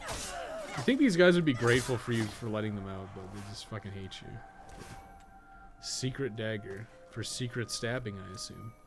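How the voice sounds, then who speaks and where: A man's voice: lowish voice, expressive, moderate pace, over music. A man giving casual gaming commentary, thinking aloud in a rambling, profane way with joking asides. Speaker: podcast co-host playing a video game.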